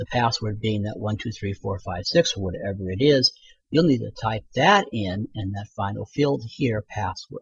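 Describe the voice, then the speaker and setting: Somewhat breathy, a man talks at a moderate pace with lively intonation. The sound is dry and close, with no echo. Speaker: product reviewer. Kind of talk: tutorial.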